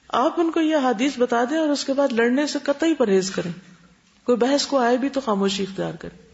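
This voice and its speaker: Female religious teacher, explanatory lecture, asks quick check questions, muffled lo-fi sound. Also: mid-range voice, gravelly, a little mellow. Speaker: Islamic teacher. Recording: dull lo-fi recording.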